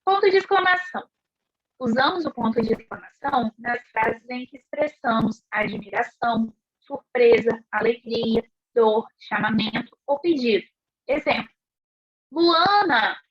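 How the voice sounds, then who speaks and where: Lady teacher, high voice, talks slow and clear, kinda dull lo-fi audio. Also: steady tone. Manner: slow, clear explaining with rhetorical questions. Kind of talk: recorded class lesson. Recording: dull lo-fi recording.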